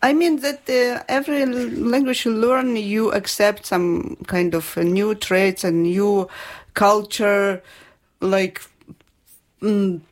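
A woman, talking in a casual group chat. Her speech is hesitant and halting, full of fillers and restarts, and she laughs often. Her pitch sits at a middle height. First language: Ukrainian. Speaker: guest.

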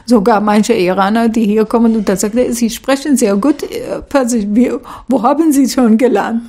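A middle-aged woman whose first language is Arabic, a social worker giving interview answers in a halting way, full of fillers and restarts. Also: a little high, fairly even intonation, dark tone.

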